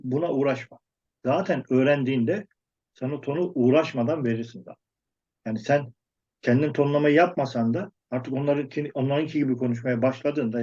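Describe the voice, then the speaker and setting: A man's voice: mid-range voice, warm tone. Blunt, emphatic man, dull lo-fi sound. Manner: blunt, emphatic, restarts words often. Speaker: English teacher giving advice. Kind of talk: casual discussion.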